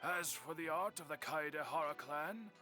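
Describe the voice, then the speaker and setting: A proud older swordsmith speaks in a formal, measured way, his voice sitting slightly high. Game music plays clearly underneath. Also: sharp tone. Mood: earnest. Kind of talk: video game voice acting. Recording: game score playing behind.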